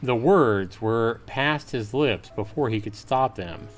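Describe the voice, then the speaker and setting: A man reads a visual novel aloud on his livestream in a mid-range voice. His pace is slow and casual, like a storyteller chatting with viewers, and faint music runs underneath. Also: medium pitch, expressive. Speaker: livestream host.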